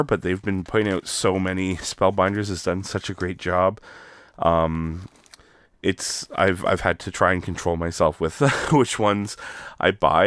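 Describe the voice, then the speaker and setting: Low, dry-sounding man still a bit rough from a cold, chatting casually through a hands-on craft demo. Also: dry recording. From Canada. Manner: relaxed, chatty, many ums. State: recovering from illness, voice still rough. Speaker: craft video host.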